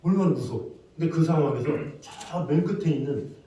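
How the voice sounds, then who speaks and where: A man's voice: on the high side, animated, a little fast, mellow, slight background noise. A male pastor preaching a children's sermon in a church, acting out story voices and asking the congregation questions. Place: church sanctuary. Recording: very echoey hall, distant mic.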